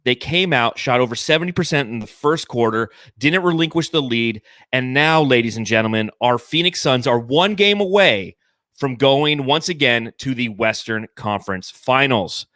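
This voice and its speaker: A man hosting a sports podcast, hyping up his team with playful banter and drawn-out emphasis. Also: mid-range voice, animated, sharp tone, no room sound, clean studio sound. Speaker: podcast host.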